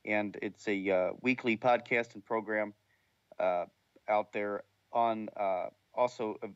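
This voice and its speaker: A man's voice: on the low side, fairly even intonation, takes it slowly, smooth, dry recording. Man, radio co-host, easygoing, reads out questions, dull muffled sound. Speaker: show producer and co-host. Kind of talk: radio talk.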